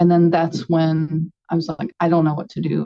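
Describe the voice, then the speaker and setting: A woman with a normal speaking voice, fairly low-pitched, at a fairly slow pace. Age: 60s. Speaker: massage therapist. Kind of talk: interview.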